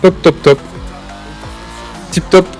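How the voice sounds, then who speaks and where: A man's voice: sits high, fairly even intonation, takes it slowly, darkish tone, soft background music. A man chatting casually and jokingly in slang as he streams an online roleplay game. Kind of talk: casual gaming banter.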